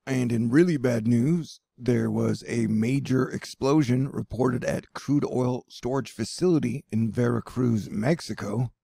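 A man's voice: mid-range voice, unhurried, gravelly, hardly any pauses, mellow, husky, no room sound, studio quality. A man hosting his own news channel, giving loose, irreverent commentary with playful asides. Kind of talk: casual offbeat news commentary.

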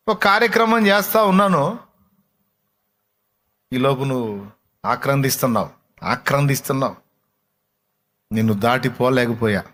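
A man preaching in the voice of Jesus, gently speaking to a grieving woman. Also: medium pitch. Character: Jesus, tender man comforting a weeping woman.

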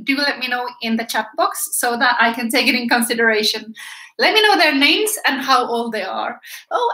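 Swedish lady art teacher, high voice, chatty and encouraging, echoey little room. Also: bright, forceful tone. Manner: chatty, encouraging, talks to viewers while painting. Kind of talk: live paint-along lesson. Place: small indoor room by an easel. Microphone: camera a few feet away, turns away at times.

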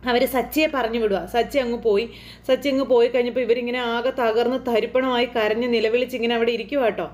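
A woman retells a TV serial episode in a casual, chatty manner. She sprinkles in little filler tags as she goes. Her voice is high and she talks quickly. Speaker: TV serial recap narrator.

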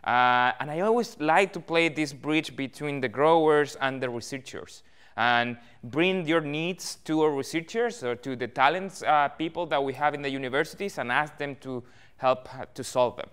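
A man's voice: fairly high pitch, normal speed, fairly bright tone, clean tone. A man in his thirties with a Chilean accent, giving a talk to a room of farmers, friendly and full of fillers. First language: Spanish. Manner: friendly, many fillers, gestures with hands. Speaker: guest speaker, almond research manager. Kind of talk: presentation to growers. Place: meeting hall with audience. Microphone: far camera, no mic seen.

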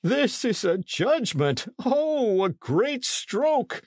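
A man's voice: medium pitch, big pitch swings, measured pace, no room sound, clean studio sound, voice pushed up. A man voicing a portly middle-aged priest in an audiobook, fretful and scholarly, with pompous, exclamatory archaic speech. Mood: anguished.

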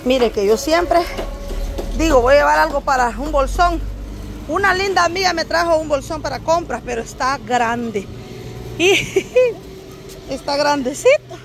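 A woman's voice: sits high, normal speed, background noise. A middle-aged woman, vlogging casually as she shops at an outdoor market, chatting with vendors and talking straight to her viewers. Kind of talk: casual market-shopping vlog.

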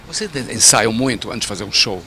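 A man's voice: on the low side, expressive, a little fast, pushed and bright. An older man with a Carioca Brazilian accent, hosting a television interview and putting questions to his guest. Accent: Carioca Brazilian Portuguese. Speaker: TV host, interviewer. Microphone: handheld interview microphone.

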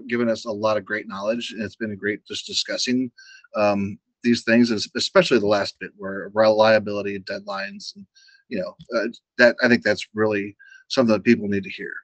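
A quiet, soft-spoken man hosting a live-stream chat, talking hesitantly with many fillers. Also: on the low side, a little fast, no echo, low-quality recording. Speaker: host.

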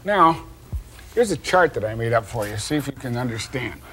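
An older man hosting a science show, patiently explaining an experiment step by step to a child with gentle teasing, recorded on a studio kitchen set. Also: medium pitch, expressive, moderate pace, noisy background.

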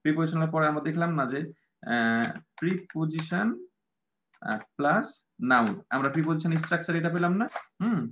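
A man's voice: a little high, animated, a little fast, pauses often, a bit bright, a little hiss or hum. A man teaching an English grammar class, patient and repetitive, with many fillers. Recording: dull lo-fi sound.

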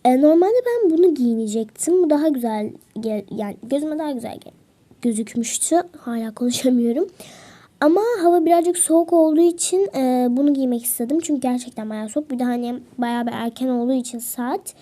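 High-voiced woman chatting to her viewers. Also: fairly quick, dark tone. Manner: chatty, talks straight to viewers. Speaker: vlog host narrating a role-play. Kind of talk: role-play vlog narration.

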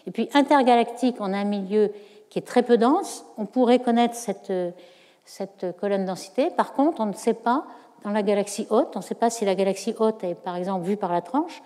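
A woman's voice: mid-range voice, fairly quick, mellow. A woman giving a university lecture, explaining step by step with frequent hesitations. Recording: lecture hall reverb.

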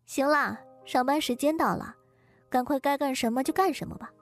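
A woman voicing a pert but caring young female hospital colleague in an audio drama, with a brisk, teasing manner. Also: high-pitched, soft background music.

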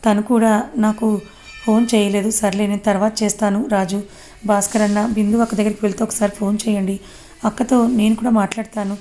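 A woman's voice: mid-range voice, level tone, fast talker, mellow, slight background noise, lightly acted. A woman voicing a polite young man who eagerly helps.

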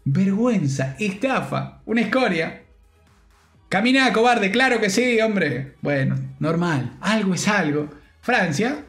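A young man with a Rioplatense Spanish accent, commenting on game pack openings in an animated, slangy, joking way. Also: high voice, slow pace, echoey room, soft background music. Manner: animated, slangy, jokey, shouts with joy. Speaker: gaming streamer.

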